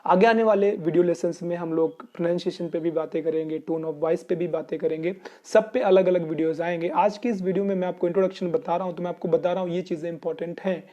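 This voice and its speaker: A man's voice: sits high, steady tone, quick pace, hardly any pauses, dark tone, muffled recording. A man from Uttar Pradesh with an Indian accent, teaching English in a lesson and answering his own questions. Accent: Indian Hindi-speaking. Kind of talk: explanatory Hinglish lesson.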